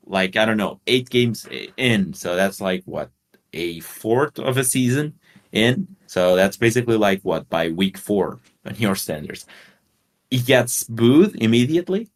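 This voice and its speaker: A man from Portugal co-hosting a casual sports podcast, talking bluntly with swearing and rambling explanations. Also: on the low side. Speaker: podcast co-host.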